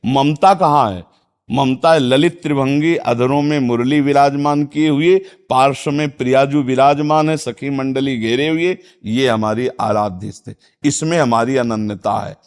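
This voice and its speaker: A man's voice: mid-range voice, fairly even intonation, measured pace, clean tone. A man giving a devotional discourse as a spiritual teacher, answering followers' questions, chanting verses and then explaining them.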